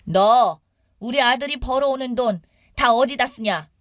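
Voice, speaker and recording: A woman voicing a nagging older mother-in-law who scolds sharply and shouts demands. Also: on the high side, a little slow, no room sound, clean studio sound, pitched above the performer's own voice. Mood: scolding.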